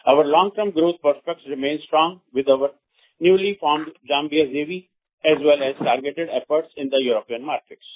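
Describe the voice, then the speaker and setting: Over a narrow, phone-like connection comes a man with an Indian accent and a fairly high-pitched voice. He reads prepared corporate remarks in a formal manner, with occasional halting stumbles, as an executive presenting on an earnings call. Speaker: company executive. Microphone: phone conference call. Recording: narrow, tinny phone conference line.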